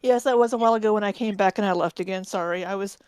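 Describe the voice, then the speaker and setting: A stuffed-up woman player chatting casually in an online tabletop game, speaking into a mic low by her neck, laughing easily. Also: rapid-fire, a little mellow, smooth. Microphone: microphone down by her neck.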